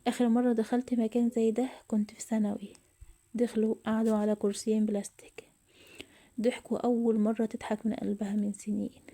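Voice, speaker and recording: A woman with an Egyptian accent narrating a love story in a soft, often whispered voice. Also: fairly high pitch, level tone, fast talker. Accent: Egyptian Arabic.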